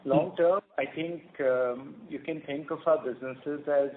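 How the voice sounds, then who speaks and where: A man answering questions formally as a company executive on an earnings call, speaking in a measured, hesitant way. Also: on the high side, fairly even intonation. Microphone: telephone conference line. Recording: noisy narrowband conference phone line.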